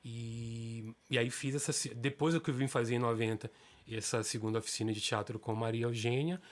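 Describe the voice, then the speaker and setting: A man in his fifties from Salvador with a Bahian Brazilian accent, telling his life story as a guest in a relaxed interview. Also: a little fast. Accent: Bahian Brazilian Portuguese. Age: 50s. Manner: animated storyteller, pitch rises when excited. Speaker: guest, stage actor.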